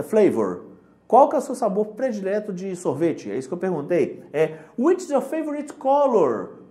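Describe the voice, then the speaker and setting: Lively Brazilian exam-prep teacher. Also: medium pitch. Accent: Brazilian Portuguese. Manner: chatty, joking, explains slowly with examples. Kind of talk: casual online lesson.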